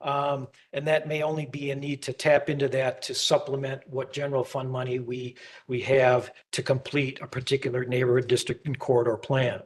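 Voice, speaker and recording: A man who is losing his voice gives a staff presentation at a public planning meeting, halting and full of ums and uhs. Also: medium pitch, flat delivery. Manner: halting, filler-heavy, with many ums and uhs.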